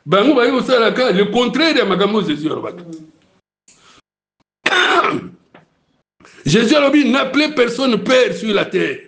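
Prédicateur congolais à la voix rocailleuse. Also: male voice, very high-pitched, sing-song, moderate pace, pauses often, a bit bright. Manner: preaching in Lingala mixed with French, asking the crowd if it is clear. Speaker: preacher. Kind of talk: sermon.

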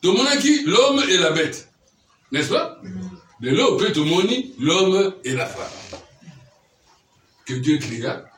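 A man's voice: high voice, a bit bright, a little hiss or hum. A man preaching a teaching sermon, often checking that his listeners follow him with questions. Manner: keeps quizzing listeners with questions. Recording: echoey room, mic far off.

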